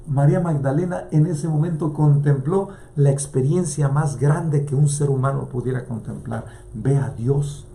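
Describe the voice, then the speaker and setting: A man's voice: mid-range voice, gravelly, dark tone, slight background noise. A male priest preaching a sermon with passion, his voice rising and dropping as he quotes scripture. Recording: echoey room.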